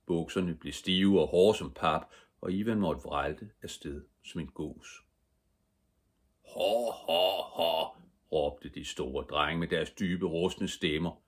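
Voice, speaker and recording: An older man reads a children's book aloud at bedtime, in a deep, low voice with a husky, breathy texture. He tells the story in a lively way and slips into character voices. It sounds like a grandfather reading to a child. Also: few pauses. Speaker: audiobook reader.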